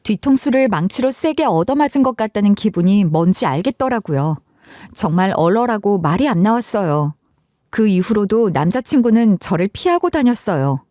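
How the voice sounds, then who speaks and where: A woman narrating a submitted story in first person, with an expressive, dramatic delivery. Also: medium pitch, moderate pace, dry recording, studio quality.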